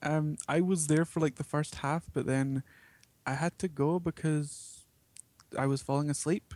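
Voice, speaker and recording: Someone speaks in a Scottish accent on a very clean recording with a silent background. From Scotland. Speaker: gaming podcaster. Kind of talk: casual interview.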